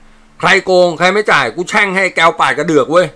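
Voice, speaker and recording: A man voicing a brash, quarrelsome male soldier who talks loud and coarse. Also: sits high, quick pace, voice pushed up. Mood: defiant.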